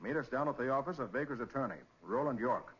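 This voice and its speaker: An actor playing a shrewd, authoritative American detective in a 1940s radio crime drama, speaking briskly and deliberately. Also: male voice, medium pitch, expressive, a bit bright, slight background noise. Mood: commanding. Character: shrewd, composed male master detective leading a murder case. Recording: muffled old 1940s radio recording.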